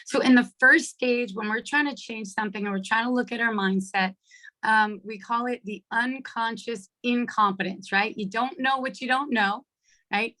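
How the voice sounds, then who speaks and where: A middle-aged woman with a hoarse voice leading an online coaching workshop on a video call, chatty and checking in with her listeners often. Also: on the high side, normal speed, pushed and bright, rough recording. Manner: chatty, checks in with "right?" and "okay?". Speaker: workshop leader. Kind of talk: live online coaching talk.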